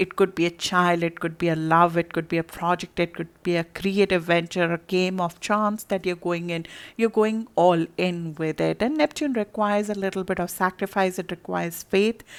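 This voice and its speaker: In a very clean recording with a silent background, a woman with a non-native accent speaks at a fairly low pitch and a moderate pace, with fairly even intonation and hardly any pauses. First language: not English. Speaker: astrologer. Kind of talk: horoscope reading monologue. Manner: halting, with fillers and restarts.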